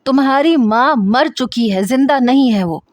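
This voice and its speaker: A woman's voice: a little high, lively intonation, no room sound, pitched above the performer's own voice, natural voice. Brief: woman reading a fed-up young husband, scolding, storybook drama. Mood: angry. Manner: scolding, sharp. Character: young husband, angry and worn out.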